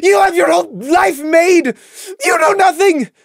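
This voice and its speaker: A woman's voice: very high-pitched, measured pace, gravelly, no room sound, studio quality, voice pushed up, exaggerated voice. A woman voicing a bitter, despairing young female pony in an audio story, ranting tearfully and spitefully. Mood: tearful anger.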